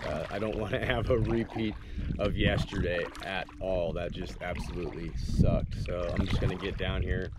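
A man in his thirties with a slightly low voice talks casually to a handheld camera, musing aloud with plenty of fillers. Heavy wind and engine noise roar behind him throughout. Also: fairly even intonation, moderate pace. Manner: easygoing, thinking aloud with frequent fillers. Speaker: fishing vlogger. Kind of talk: casual outdoor vlog narration. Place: outdoors on a lake and in a truck cab. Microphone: action camera or phone held close.

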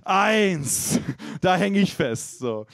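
A man in his thirties from East Frisia performs stand-up into a handheld mic, chatting with the crowd and poking fun at himself. His voice sits a little higher than most men's. The sound is dry and close. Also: quick pace, a little mellow, no room sound. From East Frisia, Germany. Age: 30s. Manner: self-mocking, conversational with crowd. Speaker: stand-up comedian. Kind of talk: stand-up set.

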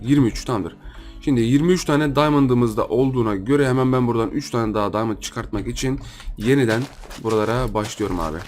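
A man's voice: medium pitch, a little mellow. A young man with a Turkish accent giving chatty gameplay commentary, thinking aloud and talking to his viewers as friends. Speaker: gaming YouTuber.

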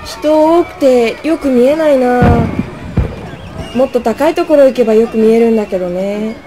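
A woman's voice: on the high side, normal speed, close to an everyday voice. A young woman playing a caring, cheerful university student in an amateur radio drama. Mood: bright, concerned. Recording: clear ambient noise behind.

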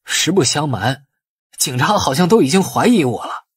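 A man's voice: on the high side, expressive, normal speed, slightly rough, no room sound. A man voicing a frightened, angry hospital official, agitated and defensive, in an audiobook. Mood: fearful anger. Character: frightened, angry male hospital deputy director.

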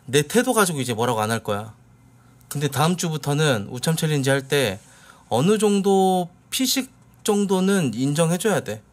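A man's voice: a little high, big pitch swings, normal speed. A man in his thirties hosting a stream, giving casual reactions in a blunt, grumbling way. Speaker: streamer hosting a try-not-to-laugh challenge. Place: small indoor streaming room.

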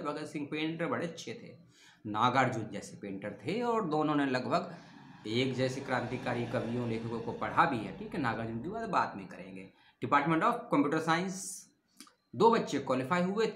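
A man's voice: medium pitch, a bit bright, a little hiss or hum. A man hosting an education channel, talking casually as he reads out lists and corrects his own slips aloud. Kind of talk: casual informational talk reading out lists. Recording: roomy echo.

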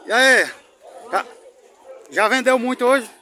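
A man's voice: very high-pitched, takes it slowly, pushed and bright. A man, vlogging casually as he walks an outdoor market, chatting and joking with people he greets. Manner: chatty, greets passers-by, jokes. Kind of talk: casual walking vlog. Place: busy outdoor street market. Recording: outdoor crowd noise. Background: market crowd chatter.

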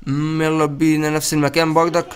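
A man with an Egyptian Arabic accent giving excitable, urgent let's-play commentary as a gaming channel host, calling out to his viewers. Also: fairly high pitch, fast, clear, resonant tone.

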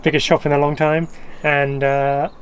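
A young man chatting casually on a campervan road-trip vlog, relaxed and rambling with fillers. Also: a little high, moderate pace, slight background noise. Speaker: travel vlogger.

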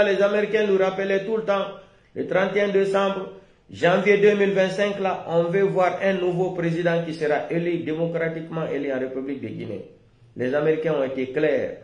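Guy in his 40s, from home, ranting hard and repeating himself, kinda high voice, echoey little room. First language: a local West African language. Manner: emphatic, repetitive, rising on key phrases. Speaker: political commentator. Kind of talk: impassioned political monologue. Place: small room indoors.

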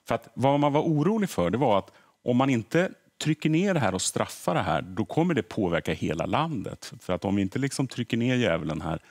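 A man's voice: medium pitch, sing-song, darkish tone. A middle-aged man, a history podcaster, explaining earnestly in a TV studio interview and often repeating words as he thinks. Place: TV morning show studio.

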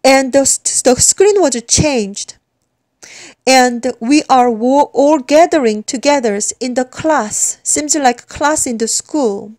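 Slow high-voiced Korean woman. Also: a little mellow, no echo. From South Korea. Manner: halting, repeats and restarts words, broken grammar. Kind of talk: earnest testimony with repetitions.

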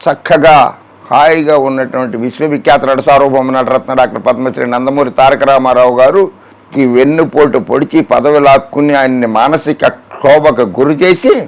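A man's voice: medium pitch, brisk. A man delivering political news commentary, sarcastic and mocking, scolding a politician as if speaking to him directly.

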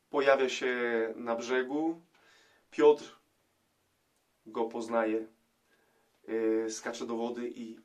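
Man, 40s, priest, homily, slow pace, slightly high voice, hesitant pauses, small quiet room. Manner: slow, reflective, with many hesitation sounds. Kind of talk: gospel commentary homily. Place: small indoor room, plain wall.

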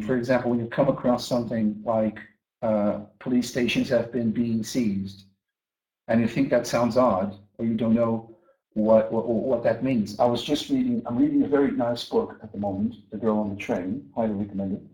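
A man from Brazil training teachers in a lively conference talk, often asking the audience questions and repeating words as he restarts. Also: medium pitch, moderate pace. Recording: echoey room.

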